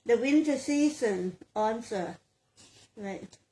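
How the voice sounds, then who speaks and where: With a fairly high, animated voice and a dark tone, this Thai real estate agent in her sixties answers interview questions in halting English, repeating phrases while searching for words. She has a Thai accent, and the poor audio carries slight background noise.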